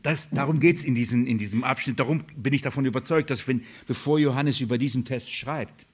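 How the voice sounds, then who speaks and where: A man's voice: medium pitch, a little fast, husky. A man preaching a sermon, emphatic and direct, asking rhetorical questions and calling his listeners beloved. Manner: emphatic, rhetorical questions, swings between loud stresses and quiet drops. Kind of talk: sermon on a Bible letter.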